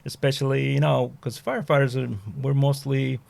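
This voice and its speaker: Gravelly, rambling retired firefighter. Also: male voice, medium pitch, flat delivery, fairly quick, a little mellow. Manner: rambling, full of "you know" and restarts. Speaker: retired firefighter and fire training instructor. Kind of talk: casual conversation.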